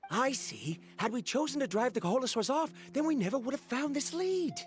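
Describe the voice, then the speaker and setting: Formal, reserved researcher. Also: male voice, very high voice, expressive, faint music behind. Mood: reserved, conceding. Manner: formal, measured. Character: reserved, formal male researcher conceding politely.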